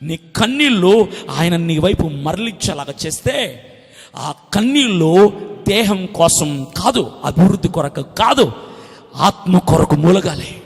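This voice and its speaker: A middle-aged man preaching a sermon with passion, asking rhetorical questions and swinging between loud and hushed delivery. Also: high voice, animated, unhurried, vocal fry, breathy edge, big-room sound. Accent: Telugu. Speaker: evangelist preacher.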